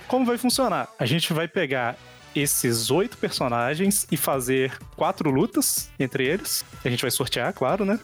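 Guy hosting a podcast, slightly high voice, rambly filler-heavy talk, music faint behind. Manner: chatty, explains with lots of fillers. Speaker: podcast host. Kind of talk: casual podcast chat.

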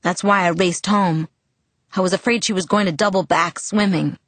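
A woman's voice: lowish voice, fairly even intonation, moderate pace, a bit bright, no room sound. A woman reading the part of a protective teenage boy who talks bluntly and scolds with worry. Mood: sombre.

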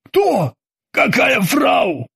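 A narrator voicing a dazed, confused prisoner who answers slowly and mutters. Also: mid-range voice, wildly swooping pitch, gravelly, fairly bright tone, breathy edge, shouting, pitched above the performer's own voice, exaggerated voice. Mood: bewildered.

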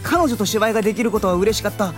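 A male voice actor playing a flustered, lovesick high school boy in a Japanese anime-style audio drama, excitable and full of self-doubt. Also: racing, close to an everyday voice. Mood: earnest, wistful. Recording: background music under the voice.

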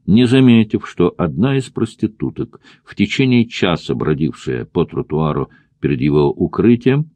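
A male narrator reading a thriller audiobook in a steady, measured way. His voice is very deep, with a dark, mellow tone. The recording is close and dry, with no room sound. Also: no room sound. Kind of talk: scripted narration of a thriller novel.

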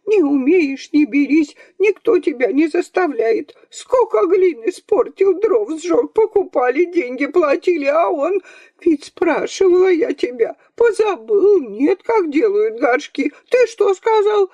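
A woman reading aloud, voicing a shrill old village grandmother who scolds and wails. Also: lively intonation, unhurried, dark tone, dry recording, lo-fi sound. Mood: scolding. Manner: shrill scolding and sing-song lamenting.

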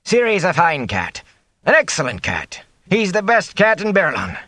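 A man's voice: high voice, wildly swooping pitch, moderate pace, pushed and bright, no room sound, pitched above the performer's own voice, full character voice. A man voicing a flustered male innkeeper who pleads and protests. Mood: pleading, panicked.

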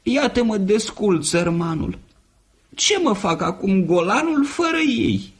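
A man's voice: sits high, sing-song, husky, voice pushed up, heavily acted. A man voicing a whining male gander who mourns his lost slippers, in a storybook poem. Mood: wailing lament. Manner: whiny, lamenting.

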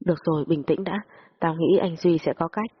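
A woman voicing a worried female friend who speaks in a hurried, urgent way. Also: low voice, steady tone, husky, highs cut off. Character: worried female friend, older sister figure.

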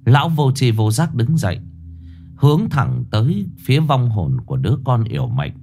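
A man narrating a horror story in an expressive, suspenseful way. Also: medium pitch, normal speed.

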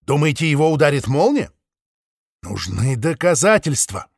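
A man voicing Miss Maple, a curious, determined female sheep who insists on getting answers, in a raised, lively voice. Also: a little high, moderate pace, vocal fry, dry recording, clean studio sound, full character voice. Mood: eager. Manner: eager, insistent.

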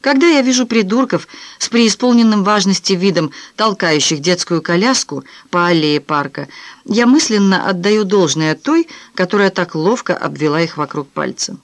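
A woman's voice: on the low side, moderate pace, dry recording, natural voice. A woman voicing a cynical, self-assured married man who lectures in a glib, dismissive way in an audiobook.

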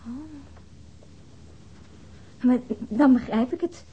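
A woman's voice: on the high side, takes it slowly, breathy edge, muffled recording, full character voice. An actress in a radio drama playing a frank, flirtatious woman witness who speaks in a hesitant yet candid, matter-of-fact way. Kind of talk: radio drama acting, naturalistic dialogue.

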